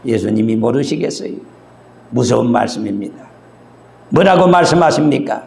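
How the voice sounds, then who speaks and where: A male pastor preaching a sermon, dramatic and emphatic, swinging between loud and soft. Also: mid-range voice, animated, normal speed, vocal fry, roomy sound.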